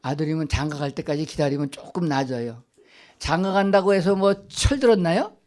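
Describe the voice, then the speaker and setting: An older man preaching in a church sanctuary, his voice sitting a little higher than most men's. He keeps asking his listeners questions and then answers them himself. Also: brisk, darkish tone. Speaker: pastor. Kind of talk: Sunday sermon.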